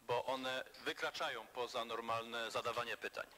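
A man chairs an official hearing and firmly calls a member to order. His voice is bright and clear, and his tone is procedural and formal. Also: mid-range voice, steady tone, normal speed. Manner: firm, formal procedural rebuke. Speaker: committee chairman.

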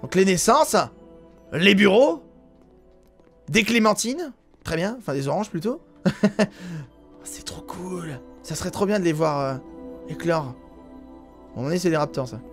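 Chatty high-voiced French man gaming. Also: moderate pace, pauses often, faint music behind. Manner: chatty, excitable, thinks aloud with many fillers. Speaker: gaming YouTuber. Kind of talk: casual let's-play commentary.

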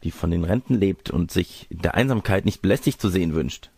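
Mann spielt hochmütige, heisere alte Großmutter. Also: male voice, low-pitched, animated, a little fast, creaky, a little mellow, breathy edge, dry recording, studio quality, heavily acted. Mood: prim. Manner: prim, dignified, protesting. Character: haughty, indignant old noble grandmother.

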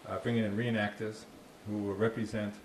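Fairly low-pitched and level, a park ranger with a Boston accent talks a little fast into a handheld mic during an informal session with audience questions. He's chatty, with frequent restarts and dry jokes, in a small, dark meeting room that has a slide screen. Echo and faint noise fill the recording.

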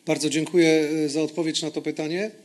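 Brief: slightly higher-voiced man, polite moderator at a lectern mic. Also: flat delivery, fast, darkish tone. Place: conference hall, at a lectern.

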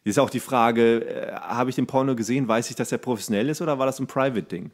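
A man's voice: mid-range voice, quick pace. Man in casual, slangy podcast chat. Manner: slangy, animated storytelling with acted-out quotes. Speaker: podcast co-host.

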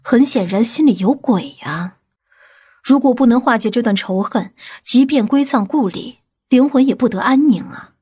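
Woman acting a stern, husky, high-voiced woman. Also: dark tone. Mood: grave, persuading. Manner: grave, deliberate, authoritative. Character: Lu Ziyan, stern, commanding woman from a powerful family. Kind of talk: dramatized audiobook dialogue.

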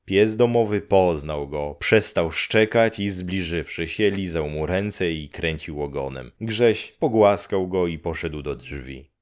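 Slow deep-voiced male audiobook narrator. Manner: calm, measured storytelling. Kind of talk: audiobook reading of a classic story.

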